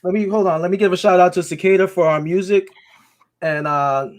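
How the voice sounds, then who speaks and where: Joking man hosting a podcast, slightly high voice. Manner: joking, storytelling, drawn-out intros. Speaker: podcast host. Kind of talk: casual chat.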